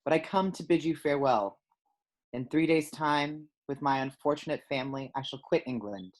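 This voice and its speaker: A woman's voice: low voice, normal speed, a little mellow, lightly acted, rough recording. A woman playing a ruined young family man, formal and melodramatic, in an amateur reading of a stage play. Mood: despairing farewell.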